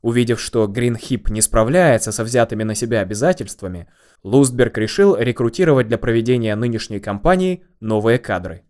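A man narrating a first-person story in a calm, deadpan way. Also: medium pitch, brisk.

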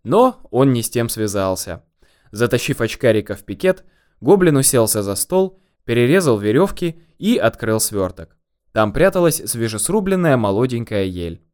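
A man narrating a first-person story in a calm, deadpan way. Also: mid-range voice, normal speed.

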